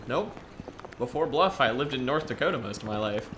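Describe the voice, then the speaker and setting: A man's voice: mid-range voice, lively intonation, a little fast, a bit bright, slight background noise, lightly acted. A man playing a friendly, eager young Yeti tour guide in an audio drama, chatty and earnest as he explains things. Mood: open, easygoing.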